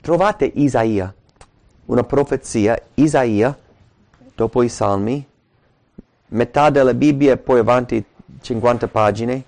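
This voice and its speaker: A man's voice: medium pitch, a little slow, pauses often, a little mellow. A man preaching a sermon with emphasis, repeating key words and asking rhetorical questions.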